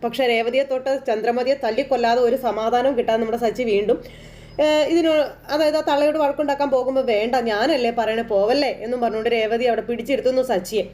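High, fast-talking woman retelling a serial. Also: fairly even intonation, dark tone. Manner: chatty, rushing, acts out quoted lines. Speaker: serial recap narrator. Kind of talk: casual episode retelling.

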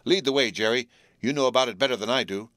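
A man's voice: mid-range voice, fast talker, fairly bright tone, no echo, clean studio sound, natural voice. A man voicing a cool-headed teenage boy who gives firm, urgent commands.

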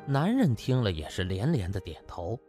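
A man's voice: lowish voice, big pitch swings, normal speed, warm tone, faint music behind. A man narrating a comic novel as a scripted, dramatic audiobook.

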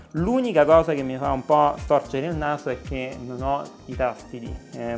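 A man's voice: mid-range voice, darkish tone. A man narrating a casual vlog, chatty and explanatory with frequent hesitations. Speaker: vlogger.

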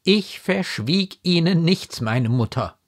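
A man's voice: fairly high pitch, big pitch swings, measured pace, a little mellow, voice pushed up. A man voicing a desperate young noblewoman in a classic novella reading, pleading in lofty, impassioned phrases. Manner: impassioned, elevated classical diction.

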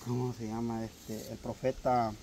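A man's voice: medium pitch, little pitch movement, measured pace, dark tone. A man, speaking in a preachy manner. He retells scripture with rising emphasis. A faint hiss runs under the recording. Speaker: religious cousin. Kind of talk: comedic sketch conversation.

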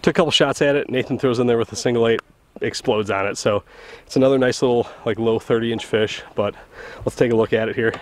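A man's voice: mid-range voice, fast. A chatty man in his thirties, vlogging from a small boat on a river with the camera held at arm's length. His voice sits in a middle range, with a faint hiss of open air behind him. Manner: excitable, chatty, talking straight to camera. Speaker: host of fishing channel. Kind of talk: casual fishing vlog. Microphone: handheld camera at arm's length.

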